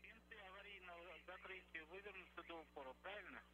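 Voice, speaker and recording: A man acting as ground flight controller, giving brisk procedural callouts over a crackly space radio transmission. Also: high voice, creaky.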